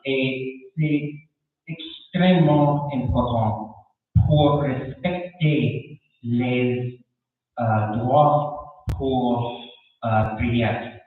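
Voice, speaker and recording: A man speaks very slowly and haltingly at a candidates' debate, with a foreign accent in his non-native French. He sounds far from the mic in a very echoey room. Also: mid-range voice, phone-quality sound. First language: not French. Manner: halting, searching for words. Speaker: election candidate.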